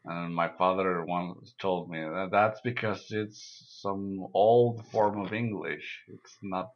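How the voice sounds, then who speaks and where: A man from Mexico, a native Spanish speaker, talks in English in a slow, deep voice. He recalls things haltingly, with frequent restarts. The sound is a little dull and lo-fi. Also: steady tone. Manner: measured, halting recollection with restarts. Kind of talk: casual conversation.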